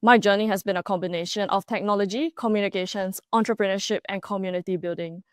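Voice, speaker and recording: A woman's voice: medium pitch, fairly even intonation, fast, smooth, no room sound, clean studio sound. A woman from Singapore in her thirties presenting a prepared conference talk with enthusiasm, with a few small restarts. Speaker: conference speaker.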